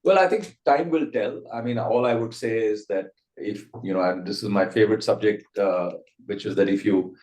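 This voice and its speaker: A man's voice: lowish voice, normal speed, a little mellow. A man with an Indian accent answering as a company executive on an earnings call, methodically setting out his points. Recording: roomy echo.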